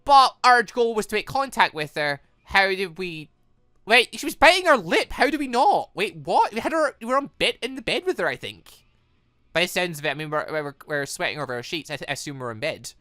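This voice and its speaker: A woman giving excitable video game commentary as a let's play host, reacting out loud with exclamations. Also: medium pitch, fairly quick, dry recording, clean studio sound.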